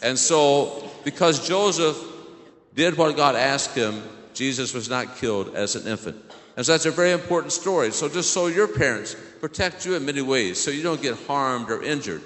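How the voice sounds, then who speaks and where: An American man speaks as a priest addressing children in a church homily, in simple, plainly worded phrases. His mid-pitched voice rings through a large space with long reverb. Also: lively intonation, moderate pace, a bit bright. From southern Illinois, United States. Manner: simple questions to children, repeats their answers.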